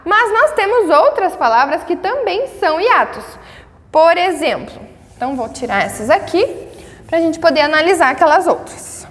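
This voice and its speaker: A Brazilian woman teaching a grammar lesson, patiently checking in with her students and sounding out words slowly syllable by syllable. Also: very high voice, big-room sound. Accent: Brazilian Portuguese. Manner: patient, checks in often with tags.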